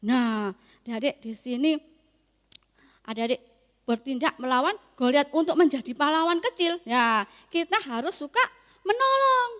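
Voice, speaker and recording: A young woman teaching a Sunday school lesson, coaxing and lively with the children. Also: high-pitched, moderate pace. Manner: lively, coaxing, talks to kids. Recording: echoey hall.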